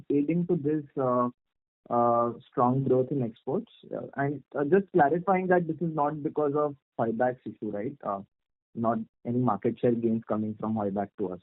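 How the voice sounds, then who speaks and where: A man with an Indian accent asking formal questions as an analyst on an earnings call, polite, measured and wordy. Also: medium pitch. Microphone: phone call. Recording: muffled narrow phone conference line.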